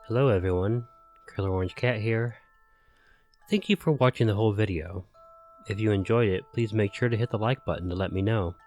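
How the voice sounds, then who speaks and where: A man's voice: fairly low pitch, brisk, a little mellow, soft background music. A man hosting his channel, stuffed up from a cold, giving a polite and earnest sign-off to viewers. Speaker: channel host and narrator. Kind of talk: outro address to viewers.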